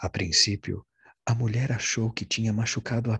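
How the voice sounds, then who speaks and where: Music plays in the background as a man speaks at a moderate pace, his fairly low voice holding a fairly even intonation. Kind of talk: audiobook narration; reading aloud a thriller, with dialogue lines read in character. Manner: steady, measured narrator pace, tense and suspenseful; unedited reading with occasional repeated words and self-corrections.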